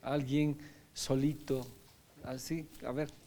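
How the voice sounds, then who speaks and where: A man's voice: mid-range voice, level tone, takes it slowly, mellow. A man, a pastor, teaching a Bible lesson in a conversational sermon, often asking his listeners questions and adding tag questions.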